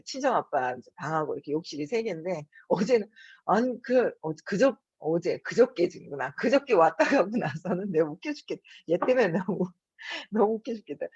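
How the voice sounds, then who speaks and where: A woman's voice: on the low side, expressive, fairly quick, a little mellow, breathy edge, dry recording. A woman in her fifties hosting her own channel, telling a home story in a chatty, casual way and laughing often between her words. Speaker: host. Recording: dull lo-fi recording.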